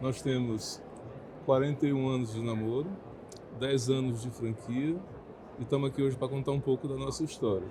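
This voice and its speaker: Pausing long and often, a man with a medium pitch speaks at a moderate pace with fairly even intonation, and noticeable background noise can be heard. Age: 60s. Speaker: franchise owner. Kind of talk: interview. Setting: convention. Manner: halting.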